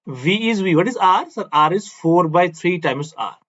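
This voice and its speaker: A man's voice: sits high, expressive, moderate pace, a bit bright, muffled recording. A man with a South Asian accent giving a classroom physics lecture, explaining step by step, repeating himself and adding question tags. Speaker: physics teacher.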